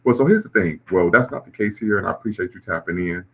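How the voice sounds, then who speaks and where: A man's voice: low voice, lively intonation, fast talker, slightly rough. A man hosting a live stream, reacting to clips and chat comments in a conversational way. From Ohio, US. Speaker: host.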